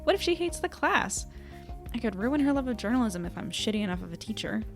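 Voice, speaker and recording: A woman's voice: on the high side, very animated, fast talker, soft background music. A woman playing an anxious, self-doubting young newspaper editor, narrating and chatting wryly in an audio drama. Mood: melodramatic worry. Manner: wry, melodramatic, conversational. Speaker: narrator and lead character.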